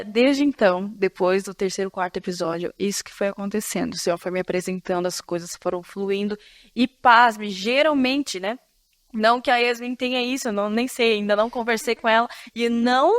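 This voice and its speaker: A woman pastor from Florianópolis hosting a faith podcast, talking in a lively, expressive way with frequent laughter and asides to her listeners. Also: medium pitch, dry recording. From Florianópolis, Brazil. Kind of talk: casual faith-based podcast conversation.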